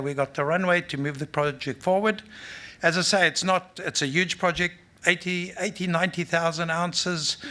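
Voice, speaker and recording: This fairly high, sharp-toned male voice belongs to a South African mining company executive. He's presenting unscripted at a conference, blunt and matter-of-fact, full of fillers and false starts.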